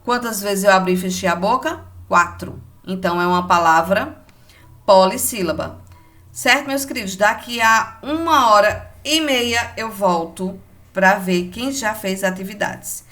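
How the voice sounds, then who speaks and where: A woman's voice: mid-range voice, unhurried, fairly bright tone. A woman teacher with a Brazilian Portuguese accent, patiently giving a remote lesson to children and explaining each step in an affectionate way.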